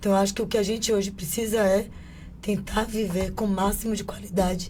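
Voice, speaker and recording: With audible room echo, a woman talks at a fairly quick pace in a dark, mellow, somewhat breathy tone at medium pitch. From Brazil, Salvador, Bahia. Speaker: hematologist. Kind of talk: radio interview.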